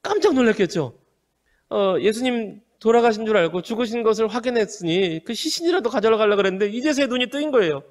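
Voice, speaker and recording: A male pastor preaching an earnest, measured sermon with frequent hesitant fillers. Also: high-pitched, animated, in a large hall. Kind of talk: home worship sermon.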